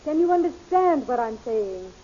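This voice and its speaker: High urgent princess heroine, anxious, theatrical, hissy old radio serial. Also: female voice, big pitch swings, normal speed, dark tone. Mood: urgent, alarmed. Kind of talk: 1930s radio serial acting. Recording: muffled, hissy 1930s radio recording.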